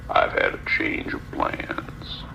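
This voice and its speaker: An actor playing a menacing, theatrical male villain in a horror radio drama, mocking and intimate over a radio. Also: bright, forceful tone. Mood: sinister mocking. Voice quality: gravelly, breathy at times. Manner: drawn-out, mocking, intimate address. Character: menacing taunting male villain named Happy Jack, theatrical and sinister. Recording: muffled radio transmission with static noise.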